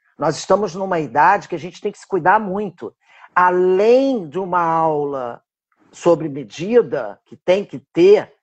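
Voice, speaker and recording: A man speaks at a fairly slow pace in a high pitch with lively intonation. His loudness swings widely. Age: 60s. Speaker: dance teacher. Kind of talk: interview. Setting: live stream interview.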